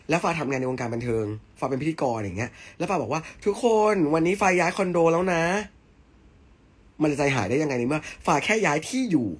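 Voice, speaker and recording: A man's voice: mid-range voice, a bit bright, slightly rough. A young man hosting a casual live stream from home, chatting and answering viewer comments in a playful, teasing way.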